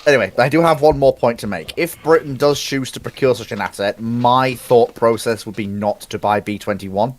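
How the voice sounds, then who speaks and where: A man's voice: medium pitch, normal speed, few pauses. A man in a live debate on military procurement, earnestly building his argument step by step.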